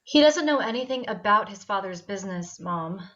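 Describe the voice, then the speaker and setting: A woman's voice: mid-range voice, animated, moderate pace, a bit bright, close to an everyday voice. A woman playing a troubled, innocent, obedient teenage girl, hesitant and subdued, in a dramatic screenplay reading. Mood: guarded. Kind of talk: dramatic screenplay table read. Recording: dull lo-fi virtual call sound.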